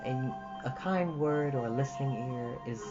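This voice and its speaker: A woman's voice: rumbling low, moderate pace, muffled recording, loud music behind the voice. A woman hosting storytime, reading expressively and chatting casually to listeners. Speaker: storytime host and reader.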